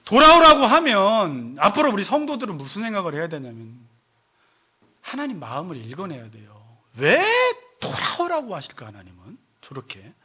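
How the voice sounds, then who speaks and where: 교회에서 설교하는 남성 목사로, 인용하는 말투를 연기하듯 흉내 내며 생동감 있게 말한다. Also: male voice, high voice, moderate pace, slightly rough. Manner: animated preaching, acts out quoted voices. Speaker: pastor. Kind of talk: sermon. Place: church sanctuary.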